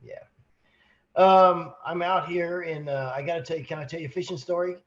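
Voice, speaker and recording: Hoarse man telling a rambling story. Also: on the high side, normal speed, muffled recording. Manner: rambling, animated storyteller with restarts. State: hoarse with a cold. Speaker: podcast co-host, sales manager. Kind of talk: casual storytelling chat.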